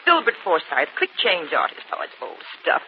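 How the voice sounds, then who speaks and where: An actress playing a weary middle-aged former vaudeville singer who scolds and frets, in 1940s radio acting. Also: female voice, low voice, huge pitch swings, normal speed. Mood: fretful. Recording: dull old radio recording with faint hiss.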